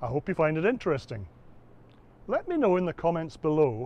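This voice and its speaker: A man talks with very wide pitch swings, the sound dry with no echo. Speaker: channel host. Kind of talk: video introduction. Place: garden. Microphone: phone near.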